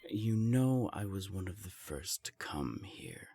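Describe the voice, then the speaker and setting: A man playing an ancient, powerful vampire in an audio drama, gravelly, taunting and self-assured. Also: low voice, big pitch swings, measured pace, warm tone, dry recording, full character voice. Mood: commanding, self-assured. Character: smug, ancient, powerful male vampire enforcer. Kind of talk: scripted audio drama acting.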